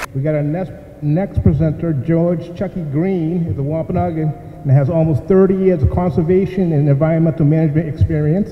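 A man's fairly high-pitched voice at a fairly quick pace, with ordinary pitch variation, audible room echo and light background noise. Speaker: event moderator. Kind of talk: speaker introductions. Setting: stage with audience. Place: hall. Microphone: podium.

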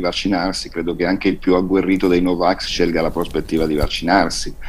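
A man with a very deep, low voice speaks at a very fast pace over light background noise. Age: 50s. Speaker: economics journalist. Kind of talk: interview on live business TV. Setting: remote video link. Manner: halting, repeats words. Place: home room. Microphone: video call.

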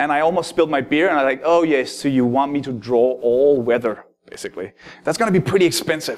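A man is talking at a fairly quick pace. His pitch varies in an ordinary way. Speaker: conference speaker. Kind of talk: conference talk. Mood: humorous storytelling. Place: hall. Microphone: lapel.

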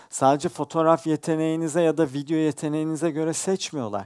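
In a plain, everyday voice, a man speaks at a moderate pace and fairly high pitch against a quiet background. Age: 40s. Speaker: director and photographer; guest. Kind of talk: panel talk. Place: hall. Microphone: headset.

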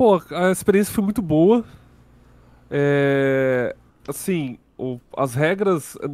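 Dark and mellow in tone, a man speaks with ordinary pitch variation in a dry, close recording with no echo. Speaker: tournament winner. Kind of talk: casual interview.

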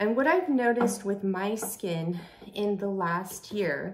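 A woman's medium-pitched voice shows ordinary pitch variation against a quiet background. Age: 40s. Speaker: esthetician and beauty vlogger. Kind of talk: skincare tutorial. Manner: casual, filler-heavy. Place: home room.

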